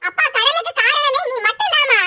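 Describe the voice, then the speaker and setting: A woman's voice: very high voice, a little fast. A woman voicing a blunt, sarcastic young woman who taunts her relatives. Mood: taunting. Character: sharp-tongued young woman, cousin Aishu. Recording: loud background noise.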